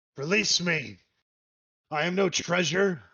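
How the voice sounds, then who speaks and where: Putting on a character voice, a man speaks at a fairly slow pace in a high, raspy, gruff tone. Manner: angry.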